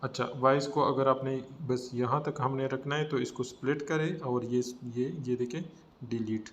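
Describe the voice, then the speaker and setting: A man with a South Asian accent gives a casual software tutorial, explaining informally step by step. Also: medium pitch, steady tone, normal speed, over loud music. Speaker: tutorial presenter. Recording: noticeable background noise.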